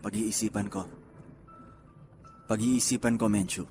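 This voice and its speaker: A man's voice: on the low side, fairly even intonation, unhurried, a little mellow, lightly acted. A man acting an earnest, hurt groom, music behind. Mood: subdued, reluctant. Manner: earnest, emotional. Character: hurt, soft-hearted groom betrayed by his bride. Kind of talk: Tagalog radio romance drama acting.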